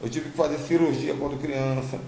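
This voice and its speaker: Brazilian male preacher, slight tongue-tie, creaky voice, emphatic repetitive storytelling, personal testimony, roomy echo. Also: on the high side, steady tone, fairly quick, mellow. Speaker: apostle, religious teacher. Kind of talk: personal spiritual testimony to online followers. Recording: roomy echo, faint background noise.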